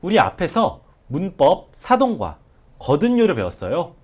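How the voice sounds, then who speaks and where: A man teaching a language class, drilling example words slowly and clearly for his students. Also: a little high, wildly swooping pitch. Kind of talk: classroom lesson.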